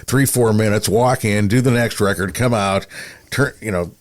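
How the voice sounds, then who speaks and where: A man's voice: fairly low pitch, moderate pace. A middle-aged or older man hosting a casual interview, chatty and given to rambling stories. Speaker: podcast host, radio veteran.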